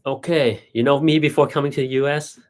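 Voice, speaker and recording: A man's voice: a little high, steady tone, fairly quick. A man with a Thai accent, a native Thai speaker, explaining things as a doctor hosting a casual Q&A. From Thailand. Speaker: doctor and live-stream host.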